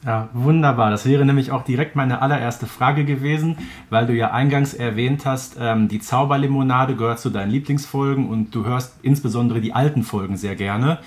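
Mid-pitched man co-hosting a podcast. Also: fairly quick. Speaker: podcast co-host. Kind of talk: casual conversational interview.

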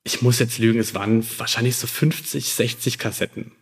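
A man's voice: medium pitch, fairly even intonation, fairly quick. A man in his thirties chatting casually as a podcast guest, recounting personal memories. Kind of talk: casual chat, telling childhood anecdotes.

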